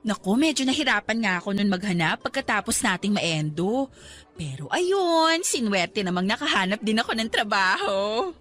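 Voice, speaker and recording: A woman's voice: medium pitch, very animated, moderate pace, fairly bright tone. A woman playing a bubbly but evasive young Filipino friend and former coworker in a radio drama. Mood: evasive, hesitant.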